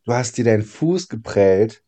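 A man's voice: on the low side, expressive, normal speed, mellow. A man co-hosting a casual podcast, teasing his co-host and laughing a lot. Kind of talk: casual chat.

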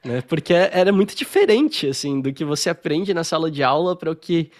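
A young Brazilian man with a Brazilian Portuguese accent, a podcast guest telling his story in casual interview chat over a video call, relaxed and full of fillers. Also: on the high side, brisk.

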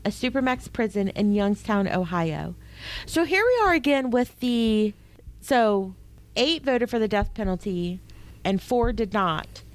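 A woman's voice: mid-range voice, animated, measured pace, dry recording. A woman co-hosting a true-crime podcast, reacting emotionally and talking casually with fillers. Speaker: podcast co-host.

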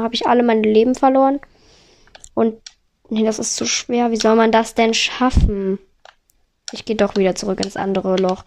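A woman on a headset mic giving excitable let's play commentary, narrating every move and swearing when she fails. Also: on the high side. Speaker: gamer.

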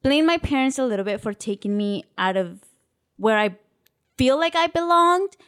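A woman's voice: sits high, lively intonation, moderate pace, fairly bright tone, clean tone. A young woman whose first language was Spanish, co-hosting a podcast and recounting her childhood in a reflective casual chat. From Mexico and the United States. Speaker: podcast co-host.

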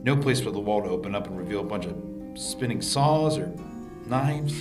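A man voicing a wry young man trapped in a dark station, joking dryly to stay calm in an audio drama. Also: on the low side, normal speed, distant mic, natural voice. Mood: tense. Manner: dry, self-mocking humor. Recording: echoey room, off-mic, music behind.

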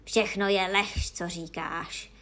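Přísný tlustý soudce v podání předčítající ženy hřímá a hlasitě křičí. Jeho hlas je oproti vyprávění silnější, ale ve stejné výšce. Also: female voice, fairly low pitch, fairly even intonation, fairly bright tone. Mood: hřímavý, rozhněvaný.

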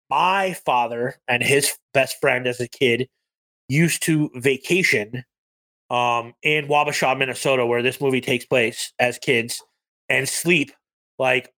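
A male podcast co-host chats casually about movies, rambling with lots of ums and likes. He speaks unhurriedly in a mid-range voice that's creaky, with a sharp tone.

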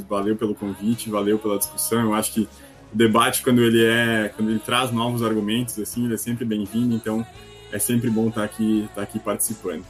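Brazilian male panelist, warm smooth heartthrob voice on the low side, casual talk over faint music. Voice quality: smooth, warm leading-man voice. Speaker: guest panelist. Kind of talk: casual live sports discussion.

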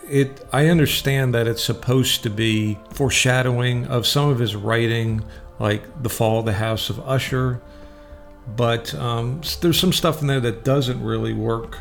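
A man's voice: medium pitch, fairly even intonation, a little slow, gravelly, faint music behind. A man hosting a radio show, giving casual, opinionated film reviews in a conversational way.

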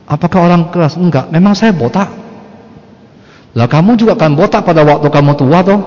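A man's voice: a little high, a little mellow, in a large hall, highs cut off. An older man, a Catholic priest, preaching a sermon bluntly and conversationally, often asking rhetorical questions.

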